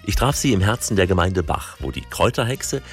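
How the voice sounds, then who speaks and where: A man's voice: sits low, big pitch swings, fairly quick, soft background music. A man from Saxony working as a TV reporter, narrating and asking chatty, leading questions in an interview. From Saxony, Germany.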